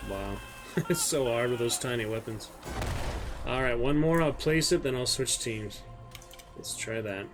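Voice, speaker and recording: A man giving casual, low-key gameplay commentary, musing to himself over game sounds. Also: measured pace, over music. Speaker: gamer commentating own gameplay. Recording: clear game noise behind voice. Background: video game sounds.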